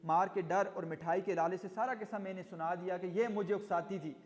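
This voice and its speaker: A man's voice: high-pitched, fairly even intonation. A male teacher reading a story aloud and explaining it line by line, glossing hard words as he goes. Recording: long reverb in an echoey room.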